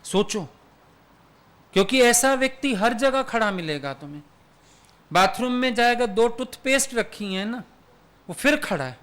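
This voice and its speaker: A man's voice: very high voice, fairly bright tone. A man giving a satsang sermon as a spiritual teacher, talking in a conversational, teasing way and dropping English words into his speech.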